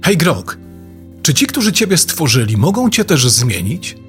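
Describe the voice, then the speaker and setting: A man's voice: on the high side, big pitch swings, a little slow, soft background music. A man questioning an AI assistant aloud in casual, probing and insistent speech. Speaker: user questioning an AI.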